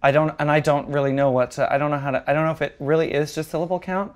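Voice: medium pitch, steady tone, rapid-fire. A young adult guest in a casual comedic chat, talking in a meandering, hesitant, self-deprecating way.

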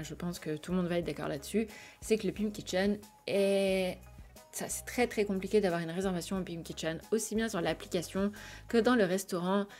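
Woman vlogger, casual chatty voice-over, mid pitch, soft music bed. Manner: chatty, many fillers and restarts. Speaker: vlogger reviewing restaurants. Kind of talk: voice-over review, partly read descriptions.

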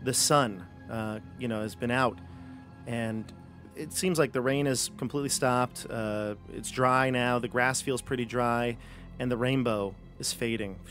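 A man narrating as game master for a live tabletop game, speaking into a headset on a video call. His voice sits at a middle pitch, and his delivery is easygoing and rambling, full of ums and restarts. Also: measured pace, a bit bright, soft background music. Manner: rambling, easygoing, many fillers. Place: home room, video call.

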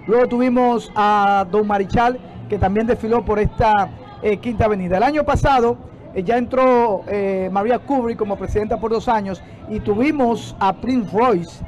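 A man's voice: high voice, normal speed, a little mellow, lo-fi sound. A man in his forties reporting live from a city street on a handheld mic, talking hesitantly with many fillers. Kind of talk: live event commentary. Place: outdoors on a city street by barricades.

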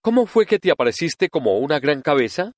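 A man's voice: a little high, big pitch swings, brisk, no room sound, pitched above the performer's own voice. A man voicing a young girl who speaks up earnestly and insistently.

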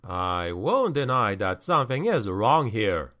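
A man reading a story aloud, voicing a stern male counselor who speaks in a low, steady, measured way.

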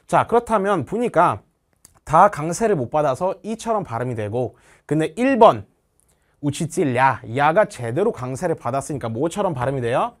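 A man with a slightly high, very animated voice walks students through an exam in a lecture. He sounds out Russian words slowly and precisely, then checks in with rhetorical questions. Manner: slow, careful Russian pronunciation, asks rhetorical questions. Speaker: Russian language teacher.

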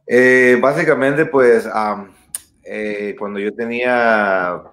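A man's voice: mid-range voice, takes it slowly, fairly bright tone, roomy sound. A man of thirty, lead singer of a Christian worship band, talking earnestly with many fillers and restarts during a video-call interview. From born in Texas, raised in San Diego and Tijuana. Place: small room indoors at home. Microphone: webcam mic on video call.

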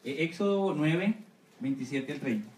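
A missionary pastor giving a Sunday school sermon, often asking the congregation for agreement with amen and right. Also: male voice, fairly high pitch, expressive, unhurried, darkish tone, distant mic, slight background noise. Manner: asks the congregation for assent, repeating amen and right. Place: church hall. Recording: echoey room, voice from off-mic.

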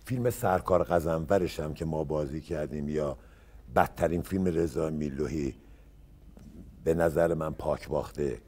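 A man in his seventies from Iran, a guest actor recalling old stories in a casual interview and acting out what others said. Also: extremely low pitch. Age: 70s. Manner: animated storyteller who acts out others' words.

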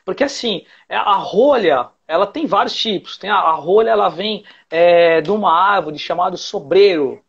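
A man's voice: sits high, moderate pace, few pauses, fairly bright tone, slightly rough, lo-fi sound. A man in his forties with a Brazilian Portuguese accent, patiently explaining wine as a guest on a video call from his living room. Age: 40s. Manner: explains patiently, many fillers. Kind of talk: explanatory interview answers. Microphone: earphone mic on video call.

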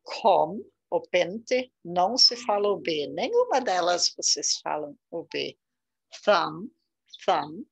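A woman's voice: lowish voice, big pitch swings, vocal fry, breathy edge, highs cut off. A woman from southern Brazil with a gaúcho Brazilian Portuguese accent, patiently teaching beginners English pronunciation and repeating each word. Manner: slow, patient, repeats words for learners. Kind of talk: casual beginner English lesson.

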